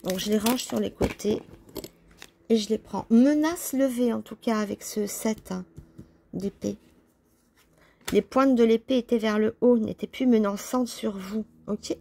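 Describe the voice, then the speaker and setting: A woman's voice: fairly high pitch, unhurried, creaky, warm tone, slight background noise. A woman chatting casually as she lays out a tarot reading, talking to herself while she handles the cards. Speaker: tarot reader.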